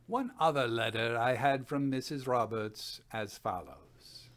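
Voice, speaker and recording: A man in his sixties playing an Edwardian gentleman investigator, reading a period report in a formal, measured way. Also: mid-range voice, close to an everyday voice. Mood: formal, matter-of-fact. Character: Edwardian gentleman investigator chronicling a ghost hunt. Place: small home study.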